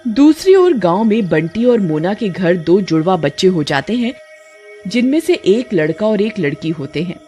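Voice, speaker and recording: A woman's voice: mid-range voice, big pitch swings, moderate pace, mellow, breathy edge, faint music behind. Woman narrating a horror cartoon. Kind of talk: scripted storytelling narration.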